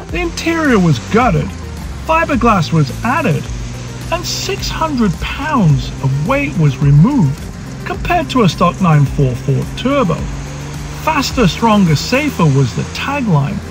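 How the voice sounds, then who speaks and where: Lively high-voiced male host. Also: slow, over music. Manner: lively, playful, chatty. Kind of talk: narration then casual interview.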